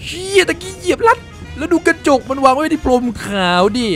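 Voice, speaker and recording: A man giving casual gameplay commentary, excitable, swearing freely and exclaiming as he plays. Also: very high-pitched, brisk, music in the background. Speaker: gameplay streamer.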